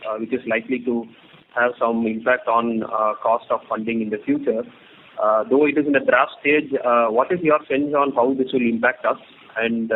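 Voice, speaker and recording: A man asks careful, halting questions over a phone line. His voice comes through tinny and narrow, and he sounds far from the handset. A faint hiss runs underneath. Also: mid-range voice. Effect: speaking over a phone line, sounding distant. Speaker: analyst asking questions. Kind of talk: earnings call questions.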